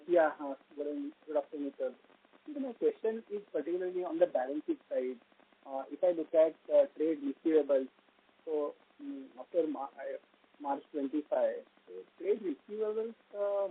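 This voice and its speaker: A man's voice: fairly high pitch, moderate pace, husky, narrow, tinny audio. An Indian man, an analyst calling in by phone, asking hesitant and repetitive questions on an earnings call. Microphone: telephone.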